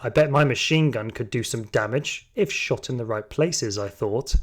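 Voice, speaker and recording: A man's voice: mid-range voice, moderate pace, lightly acted. A man playing a hardened, trigger-happy security guard, telling his story in dramatic first-person audio drama narration. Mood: defiant.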